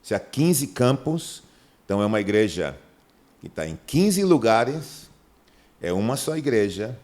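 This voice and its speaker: A man's voice: on the low side, measured pace. A middle-aged man from Manaus, Brazil, a pastor in a podcast interview who tells stories and acts out the dialogue. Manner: animated storyteller, acts out dialogue in a raised voice.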